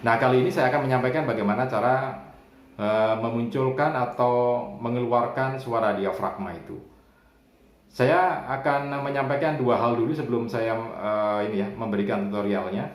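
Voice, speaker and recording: A man's voice: mid-range voice, moderate pace. A man giving a chatty public speaking lesson to camera, with frequent tag fillers. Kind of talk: spoken voice tutorial to camera. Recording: roomy echo.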